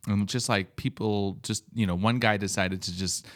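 A man's voice: fairly low pitch, fairly even intonation, moderate pace. Rambling man in casual podcast chat. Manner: rambling, many fillers and restarts. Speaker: podcast host.

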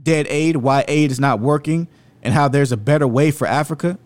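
A man's voice: fairly high pitch, normal speed, dry recording. A man hosting an opinionated video commentary, speaking in an emphatic, rhetorical and indignant way. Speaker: commentary host.

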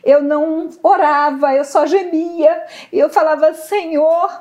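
High-voiced woman giving a faith testimony. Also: steady tone, darkish tone. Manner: earnest, halting, searching for words. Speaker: guest sharing testimony.

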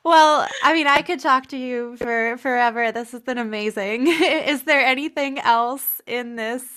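A woman's voice: sits high, unhurried, a bit bright, clean tone. A woman hosting a podcast, asking questions in a casual, chatty way full of fillers and hesitations. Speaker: podcast host.

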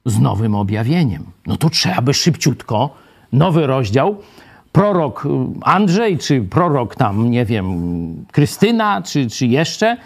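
A man leading a lively Bible study lecture, ironic and animated, asking the group questions and tagging his points with a quick "right?". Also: medium pitch. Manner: many fillers and "nie?" tags.

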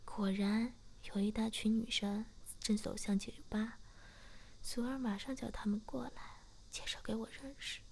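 A woman's voice: fairly high pitch, little pitch movement, measured pace, a little hiss or hum. Whispering woman reading a story. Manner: soft unvoiced whisper. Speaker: story reader.

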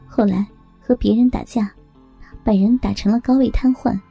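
Female audiobook narrator, husky, gravelly, mellow tone, dry close recording, faint music under. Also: fairly high pitch. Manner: steady first-person storytelling.

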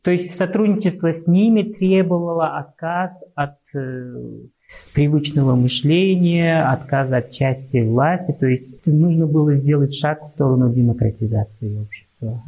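Here the Uzbek interviewee's voice sits a little high yet dark in tone as he explains things conversationally, slowly and with thought. He speaks Russian with a Central Asian accent, captured in a low-quality recording.

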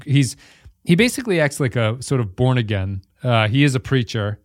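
A man's voice: medium pitch, no echo, clean studio sound. A man hosting a casual podcast, explaining plot points at length with frequent restarts. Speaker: podcast host. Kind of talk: casual chat.

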